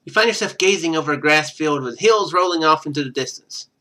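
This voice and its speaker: On a live stream, a man with a bright, fairly high voice plays a game, reading the on-screen narration aloud with highly animated pitch. He then slips into casual commentary full of wry, sarcastic asides, speaking fairly quickly.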